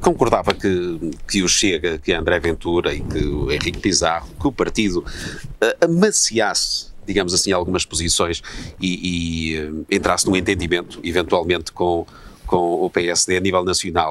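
Very deep and low in pitch, a man talks at a moderate pace with fairly even intonation, the sound dry with no echo. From Portugal. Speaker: political interviewer. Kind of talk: political interview. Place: garden.

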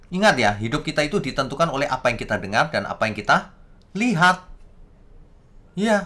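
Animated and bright with a sharp tone, a man speaks at a fairly high pitch and moderate pace with very wide pitch swings. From Indonesia. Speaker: pastor. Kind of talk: sermon. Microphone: webcam.

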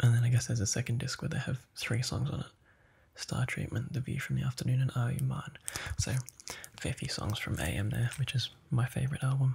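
This man's voice has vocal fry and fairly even intonation. He talks at a fairly quick pace. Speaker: vlogger. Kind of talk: casual vlog chat. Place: home room.

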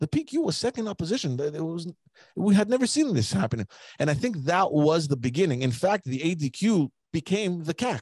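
A man's high-pitched voice in a Quebec accent, with very wide pitch swings, a dry sound with no echo and a quiet background. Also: moderate pace. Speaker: podcast host and former political staffer; podcast guest, political commentator. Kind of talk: casual interview. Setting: video call. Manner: halting. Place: home room. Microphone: studio mic.

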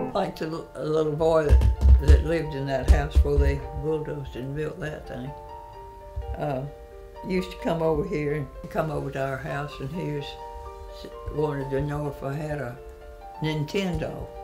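Clear music plays in the background. A woman with a Southern US accent speaks with long, frequent pauses. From Florida. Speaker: retired teacher. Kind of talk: interview answer. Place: home room.

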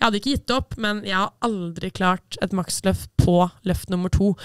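A woman with an unremarkable speaking voice talks at a fairly slow pace with ordinary pitch variation, in a dry, close sound with no echo. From Norway, Østfold/Akershus area. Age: 20s. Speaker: powerlifter. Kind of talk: casual chat.

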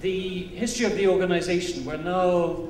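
A man talks at a high pitch. Audible room echo and noticeable background noise fill the recording. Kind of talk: formal speech. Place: hall. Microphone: podium.

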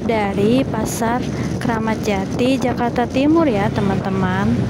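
A woman's voice comes through amid loud background noise. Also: dry sound with no echo. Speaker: motovlogger. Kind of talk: casual vlog narration. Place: motorbike. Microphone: helmet.

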